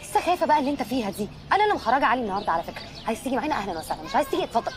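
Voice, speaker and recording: Feisty Egyptian mom, thirties, animated and rapid, guarded, pointed film delivery. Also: female voice, on the high side, slight background noise. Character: feisty, guarded young mother. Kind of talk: naturalistic screen acting.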